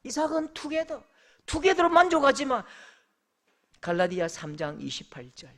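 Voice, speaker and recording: A middle-aged male pastor preaching a sermon, telling a story with lively acted-out voices. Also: very high voice, normal speed. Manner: animated storytelling, acting out quoted voices. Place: church sanctuary.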